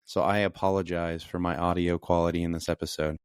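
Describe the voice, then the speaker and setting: A man with a low voice hosts an interview with eager, upbeat enthusiasm, often repeating his praise. His audio comes through earbuds instead of a proper microphone, so it sounds thin, distant and low in quality. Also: flat delivery, a little fast, smooth. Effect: low-quality earbud mic audio. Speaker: podcast host. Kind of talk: casual interview hosting. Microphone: wireless earbuds mic.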